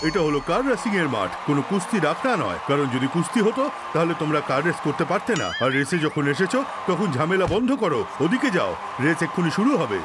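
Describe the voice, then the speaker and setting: A bossy cartoon race official, talking quickly with lively swings of pitch. He gives instructions over loud background noise. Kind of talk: cartoon dub acting. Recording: very noisy background.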